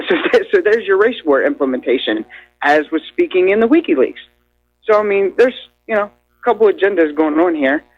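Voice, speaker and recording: High-voiced excitable male caller. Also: fairly quick, narrow, tinny audio, faint music behind. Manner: excited, stumbling restarts. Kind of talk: phoned-in radio call.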